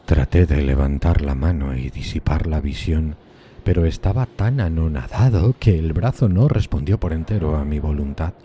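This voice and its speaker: A man's voice: rumbling low, normal speed, dark tone, slight background noise. A man playing a lonely, horrified undead outcast who tells his tale in a solemn, anguished, theatrical horror audiodrama style, drawing out emphatic words. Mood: anguished, dazed. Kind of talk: dramatic gothic horror audiodrama narration.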